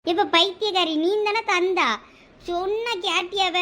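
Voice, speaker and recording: A woman's voice: very high-pitched, steady tone, unhurried, bright, forceful tone, exaggerated voice. A woman with a Thoothukudi Tamil accent voicing a fretful college girl in a cartoon, exclaiming in panic and scolding her friend. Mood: panicked, scolding. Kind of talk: cartoon voice acting.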